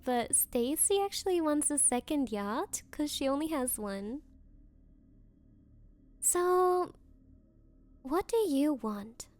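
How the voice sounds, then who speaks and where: Bratty rich popular girl played by a woman, high voice, slow condescending drawl, smug and possessive, anime ASMR roleplay. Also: exaggerated voice. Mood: coaxing, entitled. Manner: condescending valley-girl drawl with coy pauses.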